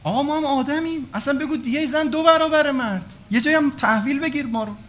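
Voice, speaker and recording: A man's voice: very high voice, a bit bright, pitched above the performer's own voice. A man voicing an indignant woman who complains to God and demands fair treatment through pleading rhetorical questions.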